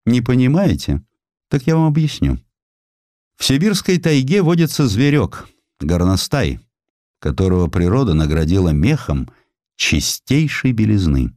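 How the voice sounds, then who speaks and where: An eloquent male defense lawyer acted by a male narrator delivers moral oratory with emphatic, drawn-out key words. The voice is low and animated, dry and close as in an audiobook drama. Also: no room sound. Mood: indignant.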